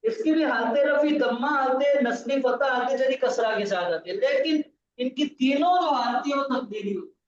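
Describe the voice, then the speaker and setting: A man's voice: very high voice, moderate pace, a crowd in the background. A male teacher giving a grammar lesson in a patient, repetitive way, checking that his student understands. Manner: patient, repeats key points, checks understanding. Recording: distant, roomy, dull lo-fi sound.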